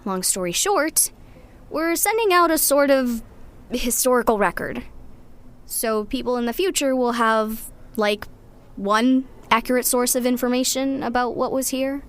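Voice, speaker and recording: A woman's voice: on the high side, a little slow, close to an everyday voice. A woman playing a cocky, scrappy young resistance scavenger with a casual, flippant manner in a sci-fi audio drama. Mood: breezy, wry.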